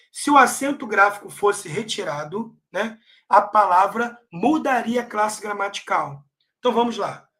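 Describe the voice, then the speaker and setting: A Brazilian Portuguese-speaking man teaching an online grammar lesson for an exam, stressing key words loudly and checking in often with his students. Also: high-pitched.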